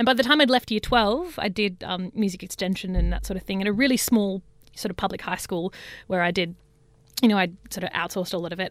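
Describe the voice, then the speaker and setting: Speaking very fast with an Australian accent and ordinary pitch variation, the voice sounds dry and close with no echo in a very clean recording with a silent background. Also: woman. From Australia, central west New South Wales. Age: young. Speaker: opera singer. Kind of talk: casual chat.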